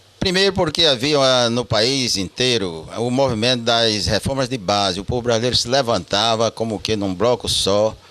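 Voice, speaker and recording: A man with lively intonation at a moderate pace, over noticeable background noise. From Rio Grande do Norte, Brazil. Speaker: former union leader and state deputy. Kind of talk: interview answer.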